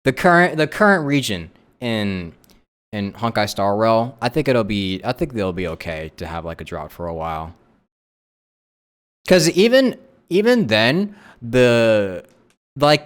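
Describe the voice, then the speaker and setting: A man streaming a casual live reaction, talking in a rambling way with lots of restarts and fillers. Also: medium pitch.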